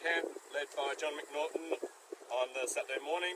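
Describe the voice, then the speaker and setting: A man talks in an Australian accent at a moderate pace. His intonation is monotone and flat, over loud background noise. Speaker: president of state sport association. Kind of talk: meeting report. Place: open country.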